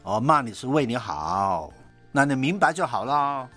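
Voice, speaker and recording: Cantonese-accented male radio host with lively intonation. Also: medium pitch, moderate pace, faint music behind. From Guangdong, southern China. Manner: encouraging, asks and echoes back. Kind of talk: conversational phone-in hosting.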